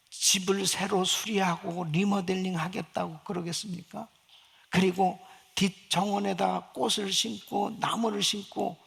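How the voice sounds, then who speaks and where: A man's voice: sits high, creaky, fairly bright tone, breathy edge. A male pastor preaching a fervent Sunday sermon, often asking the congregation rhetorical questions. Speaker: senior pastor.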